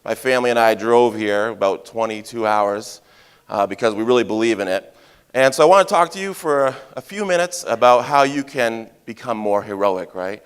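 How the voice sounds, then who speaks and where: A middle-aged man from Maine, a heroism educator giving a loud, chatty talk on a conference stage, often checking in with the audience with "right?". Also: medium pitch, animated, moderate pace, smooth. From Maine, USA. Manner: loud, chatty, jokey, asks the crowd questions, many "right?" tags. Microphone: handheld or stage mic.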